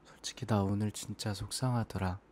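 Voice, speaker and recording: Low, hushed man in ASMR role-play. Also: steady tone, fairly quick, a little hiss or hum. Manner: soft, hushed, intimate, hesitant murmur. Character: apologetic, self-blaming young boyfriend murmuring to sleeping girlfriend.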